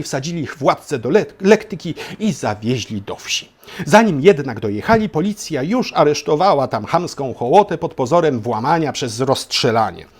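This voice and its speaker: Slow, theatrical male storyteller, swooping delivery. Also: medium pitch. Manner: theatrical, mock-solemn, addressing listeners as children. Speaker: storyteller and channel host. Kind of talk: mock fairy-tale satire narration for adults.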